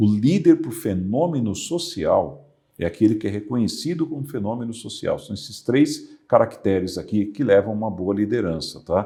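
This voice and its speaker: A man's dark, mellow voice at medium pitch, lively in intonation, at a moderate pace with hardly any pauses. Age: 60s. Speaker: business school professor. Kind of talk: podcast interview discussion. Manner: conversational, explanatory.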